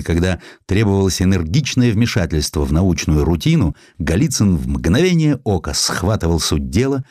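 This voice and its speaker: A man reading a historical essay as an audiobook narrator, in a measured, expressive storytelling manner. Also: low-pitched, dry recording, studio quality.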